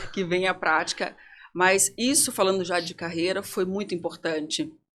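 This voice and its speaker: A woman of medium pitch speaks at a moderate pace with ordinary pitch variation. The recording is very clean, with a silent background. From Brazil, interior of Minas Gerais. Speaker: executive and board advisor. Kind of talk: interview.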